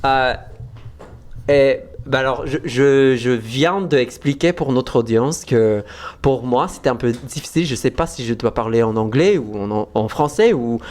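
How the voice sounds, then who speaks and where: An American man from Vermont, a native English speaker, hosting a casual interview in an enthusiastic, halting way, with an American accent and some Québécois French. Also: medium pitch, a little mellow. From United States, Vermont. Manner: enthusiastic, hesitant with restarts. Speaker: host.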